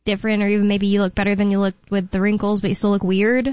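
A woman's voice: mid-range voice, completely flat delivery, quick pace, darkish tone, smooth, no room sound, muffled recording. A woman in her late twenties hosting a talk radio show, chatting casually and often restarting her sentences. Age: 20s.

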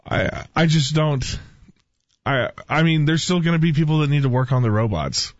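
A man's voice: on the high side, lively intonation, moderate pace, no room sound. A man on a casual talk show, speaking hesitantly and thinking his points through aloud. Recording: dull lo-fi sound.

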